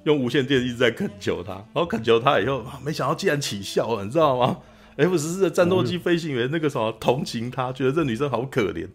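A man's voice: medium pitch, quick pace, soft background music. A man with a Taiwanese Mandarin accent hosting a podcast, animatedly retelling a film scene in casual chat and tagging his lines with "you know?". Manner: animated retelling, frequent "you know?" tag, laughs often. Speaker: podcast host.

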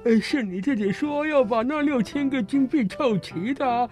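A woman's voice: sits high, moderate pace, natural voice. A woman voicing a sly old male con man who hesitates and stammers between words. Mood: sly, evasive. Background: soft background music.

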